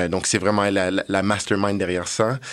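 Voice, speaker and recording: A man with a normal speaking voice and a fairly low pitch talks with fairly even intonation. The recording is very clean, with a silent background. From Montreal, Quebec. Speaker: law student, student association president. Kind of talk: interview.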